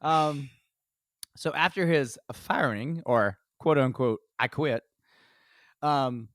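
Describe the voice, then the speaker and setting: A man's voice: mid-range voice, slow, no echo. A man hosting a comedy podcast, reading notes, swearing and joking with friends. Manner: profane, joking, laughing often. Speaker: podcast host leading the episode.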